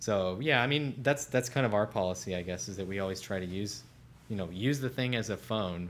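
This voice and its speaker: With an unremarkable speaking voice, a man talks at a moderate pace in a fairly low pitch and uses lively intonation. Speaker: smartphone editor and co-host. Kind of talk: casual chat.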